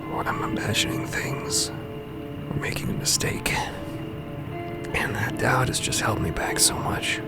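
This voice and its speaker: A man plays a vulnerable trans woman in an audio drama, earnest and confessional. The voice is low and slow with fry in it. It halts, sighs and thins into hushed near-whispers, with prominent music underneath. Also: heavily acted. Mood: anguished, doubting. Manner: halting, sighing, breaking into hushed near-whispers. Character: adult trans woman, wounded, self-doubting, earnest, confessional. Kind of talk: emotional dramatic monologue in a narrated fiction podcast. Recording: loud music bed.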